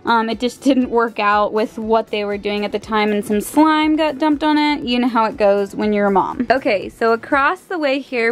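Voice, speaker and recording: A young woman and mother giving a relaxed, chatty vlog narration while showing things around her small home. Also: fairly high pitch. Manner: chatty, relaxed, explaining as she shows things. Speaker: vlogger, mother of three girls. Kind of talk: casual organizing vlog narration.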